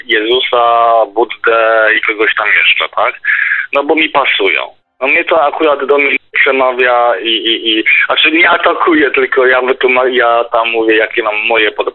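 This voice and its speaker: A man in casual, opinionated discussion over a narrow phone line, insistently explaining with examples and stumbling over repeated words. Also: medium pitch. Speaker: discussion participant on a radio show. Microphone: phone or internet call.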